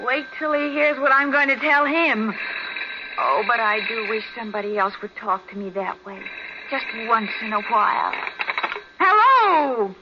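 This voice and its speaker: An actress playing an eager, lively detective's assistant in a 1940s radio crime drama. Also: female voice, fairly high pitch, a little slow, lo-fi sound. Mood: excited. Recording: noisy old band-limited radio recording.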